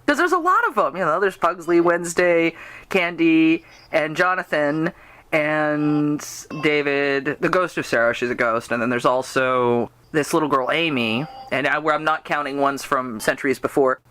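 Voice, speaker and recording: A woman hosting a podcast, chatting casually in a rambling, giggly way that gets animated when she quotes people. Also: low-pitched, normal speed, a little hiss or hum. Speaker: podcast host interviewing a guest. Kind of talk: casual chat about fan fiction and radio drama.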